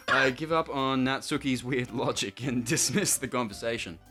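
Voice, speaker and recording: A man's voice: medium pitch, pushed and bright. A young man hosting a casual playthrough who reads a visual novel aloud and drops joking asides between lines. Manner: laughing asides, mock-narration. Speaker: host and reader.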